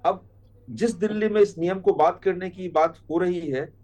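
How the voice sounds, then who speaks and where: A man commenting as a debate guest in formal, halting, carefully qualified phrases. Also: high-pitched, darkish tone. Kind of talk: measured political analysis in a TV debate.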